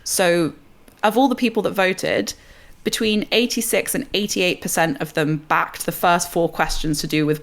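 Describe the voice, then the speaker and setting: A woman speaking as a panellist in a news discussion, articulate and analytical in the way she sets out her points. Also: fairly low pitch.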